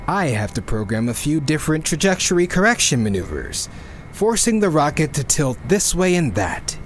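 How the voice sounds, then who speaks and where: Man acting a weary programmer with animated pitch. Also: slight background noise, lightly acted. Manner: exasperated, swearing, sighing. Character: frustrated sweary male programmer on a doomed earth. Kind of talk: audio drama monologue.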